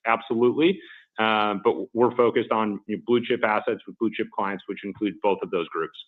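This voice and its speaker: A man speaking as a company executive, giving measured, businesslike answers on an earnings call. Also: on the low side, fairly even intonation. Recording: muffled phone-like conference line.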